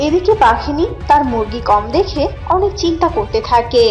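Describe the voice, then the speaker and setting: High-pitched woman narrating a story. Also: lively intonation, normal speed, a little mellow, soft background music. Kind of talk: scripted cartoon story narration.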